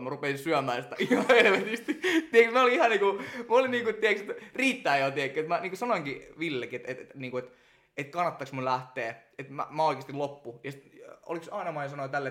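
A young man chatting casually as a guest, telling animated stories full of laughter and fillers. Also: on the high side. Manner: animated storyteller, laughs often, many fillers. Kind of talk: casual chat.

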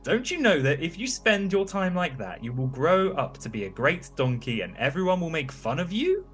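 A man voicing a patient, hundred-year-old talking cricket who moralizes in slow, drawn-out warnings for a storybook. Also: fairly high pitch, sing-song, a bit bright, soft background music, pitched above the performer's own voice. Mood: preachy, calm.

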